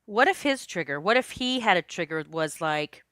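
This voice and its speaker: A woman in her late forties talks through a solo podcast episode. She is chatty and expressive, and her voice is bright and forceful. The sound is dry and close, with no room echo. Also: fairly low pitch, moderate pace, clean tone. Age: 40s. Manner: chatty and expressive, jokes with listeners. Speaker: podcast host and psychic medium.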